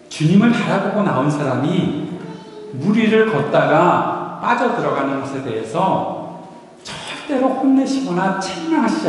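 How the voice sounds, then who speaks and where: A man preaching a sermon as pastor, playful and often laughing as he asks the congregation questions. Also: on the high side. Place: church sanctuary. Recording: echoey hall from far off.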